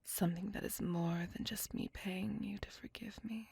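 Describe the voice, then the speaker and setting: A possessive female vampire lover, voiced by a woman, whispers right up against the mic in an ASMR roleplay. Her whisper is husky and gravelly, dry and close, with nothing of the room around it. She speaks in a doting, apologetic way. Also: medium pitch, fairly even intonation, a little mellow, dry recording. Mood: tender. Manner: intimate, apologetic, slow and doting.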